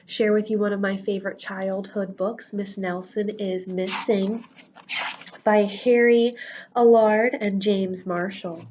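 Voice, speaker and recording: A woman reading a children's storybook aloud in an expressive, deliberate schoolteacher's manner. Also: medium pitch, slight background noise. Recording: dull lo-fi audio.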